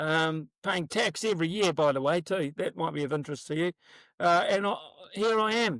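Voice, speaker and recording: A man with a New Zealand accent speaks at a moderate pace in a high pitch with ordinary pitch variation, in a very clean recording with a silent background and a dry, close sound with no echo. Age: 60s. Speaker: cricket commentator. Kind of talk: casual chat.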